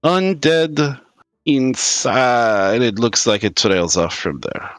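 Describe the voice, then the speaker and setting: A man's voice: medium pitch, takes it slowly, fairly bright tone, no room sound, clean studio sound, faint music behind. A man playing a reluctant, sarcastic fantasy adventurer in a tabletop game, dramatic and exasperated.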